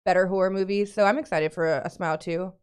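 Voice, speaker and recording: A woman co-hosting a casual podcast, speaking with a lisp. Her voice is smooth and resonant. She talks chattily, packs in many fillers and giggles easily. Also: lowish voice, steady tone, fast, darkish tone. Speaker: podcast co-host. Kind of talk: casual chat.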